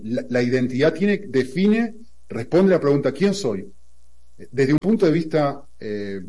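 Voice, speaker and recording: A man's voice: medium pitch, dark tone. A man from Argentina with an Argentine accent, explaining Christian ideas in a conversational teaching style, building his point with everyday examples and rhetorical questions. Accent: Argentine Spanish.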